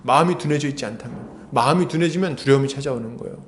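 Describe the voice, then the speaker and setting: A man's voice: medium pitch, very fast, slight background noise. A male pastor preaching a sermon, retelling a story animatedly with rhetorical questions.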